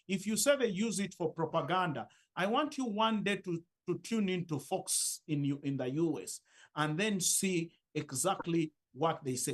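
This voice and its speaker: Husky, lively high-voiced man arguing. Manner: emphatic, persuasive. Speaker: panelist. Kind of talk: panel discussion.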